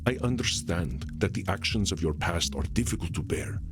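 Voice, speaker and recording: An actor playing an ancient, powerful vampire mentor in a video game, solemn and kindly, with formal, measured, eloquent phrasing. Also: male voice, deep voice, animated. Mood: gentle, wise. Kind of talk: visual novel game voice acting. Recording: music playing behind the voice.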